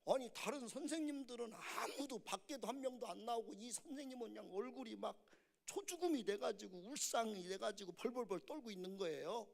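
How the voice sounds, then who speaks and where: A man's voice: very high voice, a little fast, vocal fry. A middle-aged male pastor preaching at a revival service, telling stories vividly and calling out to the congregation. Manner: animated storyteller, calls out to congregation. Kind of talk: revival sermon.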